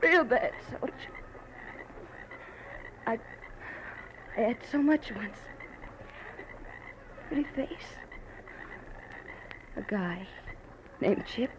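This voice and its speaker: An actress playing a bitter, reckless young woman in a 1940s radio drama, overwrought and halting, her voice tearful and breaking. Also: on the high side, expressive. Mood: dying, wistful. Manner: slow, halting, overwrought delivery. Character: bitter, reckless young woman, doomed former big shot. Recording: noisy old radio recording.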